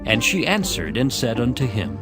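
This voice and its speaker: A man narrating a dramatized scripture reading in a measured, formal manner. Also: medium pitch, sing-song. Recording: music under the voice.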